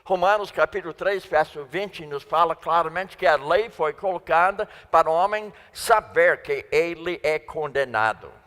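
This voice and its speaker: A man's voice: on the high side, normal speed, hardly any pauses, a bit bright. A man preaching a sermon in Portuguese, which is not his first language, stressing and repeating key phrases. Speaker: guest preacher. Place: church sanctuary. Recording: long church reverb.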